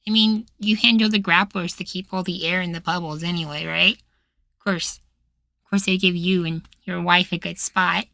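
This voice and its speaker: A man voicing a cheerful, naive young boywife in an intimate ASMR roleplay, soft, doting and chatty. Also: high-pitched, fairly even intonation, moderate pace, creaky, dry recording, exaggerated voice. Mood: affectionate.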